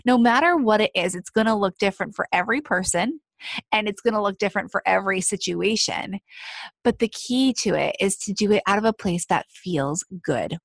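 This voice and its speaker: A life coach and podcast host gives an encouraging motivational talk to listeners she calls friends. Her medium-pitched voice is creaky and a little nasal, recorded with no room sound.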